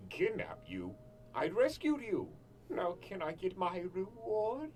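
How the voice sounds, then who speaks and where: A woman's voice: mid-range voice, wildly swooping pitch, slow pace, darkish tone, soft background music. A woman voicing a sly, teasing male trickster of chaos in a cartoon, sardonic and theatrical. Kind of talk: dramatized cartoon parody dialogue.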